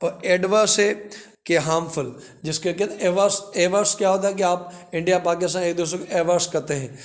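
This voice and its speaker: A male teacher explaining English word pairs with everyday examples, pausing and restarting now and then. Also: sits high, steady tone. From Pakistan. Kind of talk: classroom vocabulary lesson.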